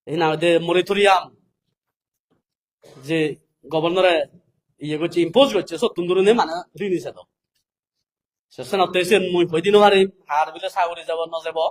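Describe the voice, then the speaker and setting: Male political speaker, South Asian accent, notably high-pitched, delivering a deliberate, explanatory public address. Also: low-quality recording. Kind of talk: public address, reading English passages and explaining them.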